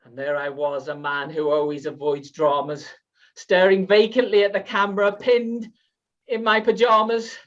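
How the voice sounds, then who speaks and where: A man's voice: high-pitched, little pitch movement, normal speed, fairly bright tone, far from the mic, lo-fi sound. A British man performing rehearsed comic storytelling in rhyme as a competition speaker, with a theatrical manner.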